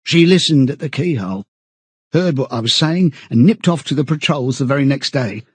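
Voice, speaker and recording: A man's voice: fairly high pitch, very animated, moderate pace, a little mellow, slightly rough, dry recording, voice pushed up. A man voicing a frightened, servile, middle-aged party loyalist in an audiobook, stammering and eagerly chummy. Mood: doleful pride. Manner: stammering, chummy old-fashioned British chap talk, sententious.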